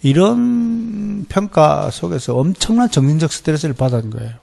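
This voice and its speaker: A middle-aged male pastor with a Gyeongsang accent, preaching a sermon lecture in a lively, animated way, often mimicking others. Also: a little high, moderate pace, creaky, breathy edge. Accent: Gyeongsang Korean. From Gyeongsang region, Korea. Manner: lively, animated, mimics people in quoted voices.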